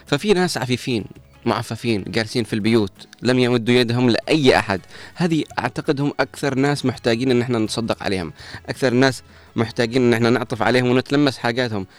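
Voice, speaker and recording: A man's voice: mid-range voice, no echo. A man presenting a morning radio talk, earnest and preachy as he gives moral advice.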